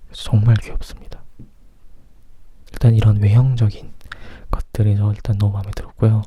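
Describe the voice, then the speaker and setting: A man from South Korea whispering softly and close to the mic in an informal ASMR movie chat, sometimes thinking aloud. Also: lowish voice, level tone, a little fast, slightly rough, no room sound. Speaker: movie review host. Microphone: close microphone.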